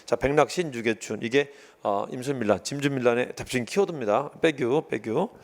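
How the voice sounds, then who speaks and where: A man giving an exam-prep history lecture in a casual, animated way, briefly acting out quoted lines as he goes. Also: mid-range voice, fast.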